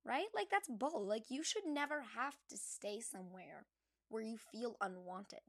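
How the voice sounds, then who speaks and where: A young woman hosting a casual solo podcast close to the mic, gushing and emphatic in a bubbly, informal sorority-girl manner. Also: fairly high pitch. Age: young adult. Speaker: podcast host. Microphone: close podcast microphone.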